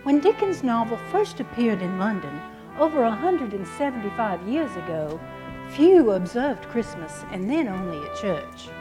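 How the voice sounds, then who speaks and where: A woman giving a scripted introduction to a radio play in a measured storytelling manner. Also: a little high, big pitch swings, rough recording. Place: stage in front of a live audience. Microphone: stage microphone. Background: brass music.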